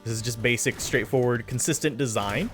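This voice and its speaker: A man's voice: medium pitch, fairly quick, a bit bright. A man giving casual commentary over his own gameplay, chatty and self-deprecating, often losing his train of thought. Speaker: let's play commentator. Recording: faint game music behind.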